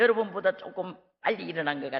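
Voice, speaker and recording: Lively intonation marks this woman's speech in a Gyeongsang accent. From South Korea, Gyeongsang region. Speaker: pastor. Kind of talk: sermon.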